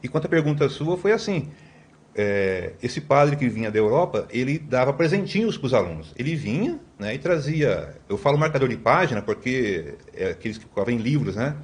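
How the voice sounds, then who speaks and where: Expressive middle-aged man telling stories. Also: medium pitch, brisk. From Brazil. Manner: rambling with frequent tag questions and restarts. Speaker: guest. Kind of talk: conversational storytelling.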